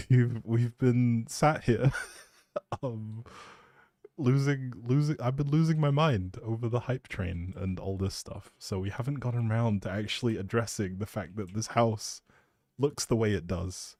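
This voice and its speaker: Man, mid-pitched voice, unhurried pace, casual livestream rambling, flustered, giggly. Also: darkish tone, no room sound, studio quality. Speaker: livestreamer hosting a gaming stream.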